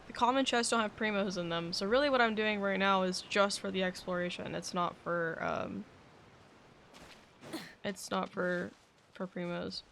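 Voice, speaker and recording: Creaky-voiced young woman streaming a game. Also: medium pitch, fairly even intonation, moderate pace, fairly bright tone, slight background noise. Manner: rambling, thinking aloud. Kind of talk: casual live gameplay commentary. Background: game music.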